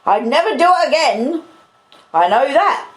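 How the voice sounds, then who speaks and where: Fierce, high-pitched scolding wife, acted by a woman, echoey. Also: sing-song, normal speed, close to an everyday voice. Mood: aggrieved. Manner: scolding, loud, indignant. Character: fierce, shouty, bullying older sister, blacksmith's wife.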